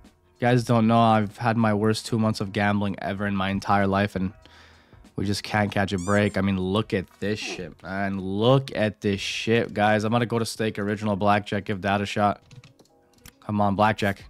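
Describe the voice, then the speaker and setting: A man's voice: fairly low pitch, flat delivery, moderate pace, dry recording, faint music behind. A man streaming casino games, talking casually and swearing as he comments straight to his viewers. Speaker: gambling streamer. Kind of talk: casual commentary while playing.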